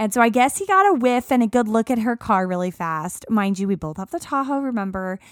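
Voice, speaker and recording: A woman's unremarkable speaking voice, fairly high in pitch, with lively intonation, a fairly quick pace and a dry, close sound with no echo. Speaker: podcast co-host. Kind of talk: casual chat.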